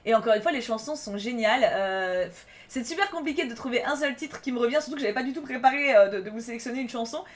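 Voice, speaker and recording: A woman's voice: on the high side, animated, quick pace. A young woman vlogging casually, enthusiastic and rambling, with many fillers and restarts. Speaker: YouTuber. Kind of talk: casual vlog countdown.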